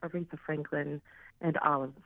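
Low-voiced woman on a tinny phone line. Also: fairly even intonation, moderate pace, dry recording. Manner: chatty, laughing, many ums. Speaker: guest singer. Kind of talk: casual interview chat.

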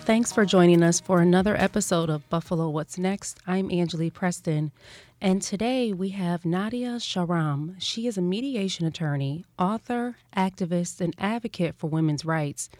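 A woman's voice: fairly low pitch, normal speed, a little mellow, dry recording, faint music behind. Woman hosting a talk show. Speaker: podcast host. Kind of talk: interview hosting.

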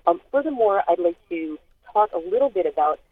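A woman's voice: on the low side, expressive, brisk, husky. A middle-aged woman calling in to a radio show over the phone, making a firm, corrective point. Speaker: caller. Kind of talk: call-in radio comment. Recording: tinny phone line.

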